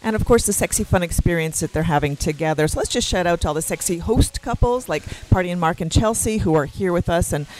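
A woman's voice: fairly low pitch, animated, quick pace, few pauses, background noise. A woman co-hosting a casual podcast, recorded in a hotel lobby. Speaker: podcast co-host. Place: busy hotel lobby with a fountain.

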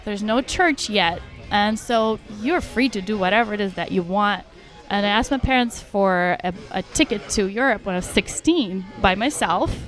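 A woman's voice: medium pitch, normal speed, hardly any pauses, fairly bright tone, soft background music. A woman from Russia who grew up speaking Russian, a podcast guest talking openly and frankly in casual chat. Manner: open, frank, talks freely with many likes and you knows.

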